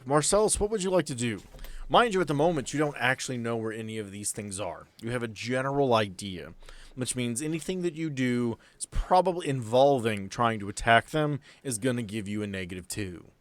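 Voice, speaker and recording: A man's voice: medium pitch, fairly quick. A man narrating a tabletop roleplaying game as game master, explaining things in a conversational way. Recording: music behind. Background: background music.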